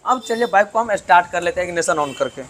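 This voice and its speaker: A man's voice: high voice, expressive, quick pace, fairly bright tone, a little hiss or hum. A man, a motorbike mechanic explaining a repair step by step in a workshop tutorial. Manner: explains step by step, keeps pointing things out.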